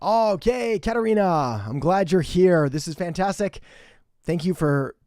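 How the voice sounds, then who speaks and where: A man's voice: high voice, lively intonation, unhurried, darkish tone, no echo, clean studio sound. A young man hosting a live marketing Q&A, chatty and direct, greeting viewers by name and giving blunt advice. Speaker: marketing host. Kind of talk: live-stream Q&A, casual chat. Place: home in western Canada.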